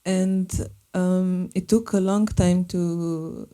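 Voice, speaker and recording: A Slovenian filmmaker and artist, a woman, speaks as a guest on a live panel, thoughtful and searching for her words. Her voice is fairly low, steady, and mellow, and she talks extremely slowly.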